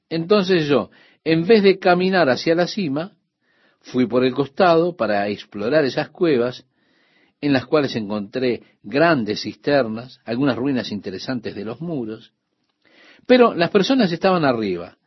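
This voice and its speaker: Male Bible teacher, husky, talks straight to the listener; dry, dull recording. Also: fairly high pitch, dry recording. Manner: explains to the listener directly, formal address.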